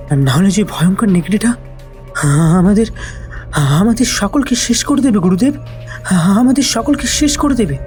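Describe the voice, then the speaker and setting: A frightened villager begs his guru for help, stumbling over his words and close to tears. A man puts him on as part of a storybook horror reading. Soft music plays beneath him. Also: high-pitched, voice pushed up. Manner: pleading, halting, near tears. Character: desperate male villager pleading with guru.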